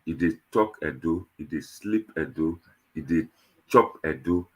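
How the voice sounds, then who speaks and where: A Nigerian man hosts a panel show in easygoing Nigerian Pidgin. His voice sits very low and has a rough, husky grain. He talks conversationally to viewers, rambling and repeating himself as he goes. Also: lively intonation, a little slow. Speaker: host of an online diaspora panel show. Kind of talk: casual show introduction to viewers.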